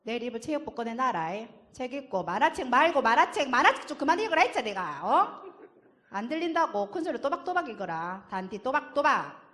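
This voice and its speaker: A woman's voice: fairly high pitch, sing-song, fairly bright tone. A woman voicing a nagging father who scolds his young son nonstop in Gyeongsang dialect. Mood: scolding. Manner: rapid scolding, nonstop orders.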